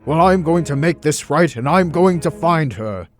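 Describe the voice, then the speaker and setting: Man acting earnest high-voiced doctor hero, music behind. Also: lively intonation, moderate pace, lightly acted. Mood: determined. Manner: earnest, urgent. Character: earnest, agitated male doctor hero, determined. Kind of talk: audio drama acting.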